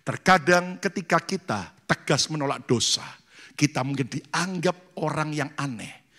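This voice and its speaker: A man's voice: on the high side, expressive, unhurried, a bit bright. A male pastor preaching a sermon, telling stories and acting out the voices of church members.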